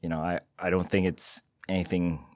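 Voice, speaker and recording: A middle-aged man giving interview answers in a measured, hesitant way, with many fillers. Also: low-pitched, level tone, darkish tone, no room sound, clean studio sound. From Singapore. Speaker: guest, tech executive. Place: podcast studio.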